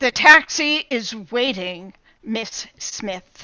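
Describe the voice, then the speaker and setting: A female-sounding put-on character voice, fairly high in pitch, at a very slow pace. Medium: audio drama. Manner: smooth, insinuating.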